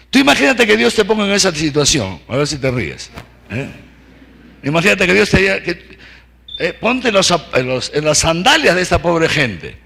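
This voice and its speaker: A man preaching to seminarians, telling the story in an animated way, acting out voices and shouts, and asking the audience for agreement with short tags. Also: high voice, gravelly, husky.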